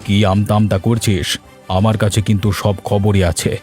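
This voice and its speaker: A man's voice: on the low side, level tone, normal speed, darkish tone, lightly acted. A man voicing a domineering middle-aged village headman, commanding and threatening, for a cartoon. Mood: stern. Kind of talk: cartoon voice acting. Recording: faint music behind.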